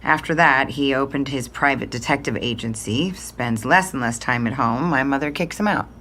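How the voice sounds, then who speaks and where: Very deep-voiced, dry woman. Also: moderate pace, fairly bright tone. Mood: wry, resigned. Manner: matter-of-fact, wry. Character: candid, dry daughter of an estranged detective. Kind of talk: naturalistic podcast interview drama. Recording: faint ambient room noise.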